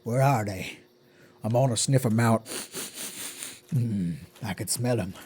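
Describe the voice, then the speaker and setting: A man voicing a boastful, gruff lumberjack who brags about beating trees. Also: medium pitch, slow, a little mellow, slight background noise, pitched below the performer's own voice, natural voice. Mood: cocky. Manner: swaggering self-praise, sing-song bragging.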